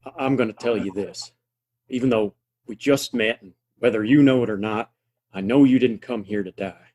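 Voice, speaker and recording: A man playing a gruff, plain-spoken frontier man in a western audio play, with steady, folksy phrasing. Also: on the low side, normal speed, lightly acted. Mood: earnest, reassuring.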